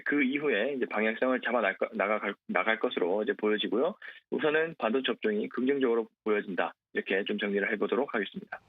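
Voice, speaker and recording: A man's voice: fairly low pitch, fast, no echo. A man giving stock market commentary as a guest analyst, speaking hesitantly with frequent filler sounds. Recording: tinny phone-line sound.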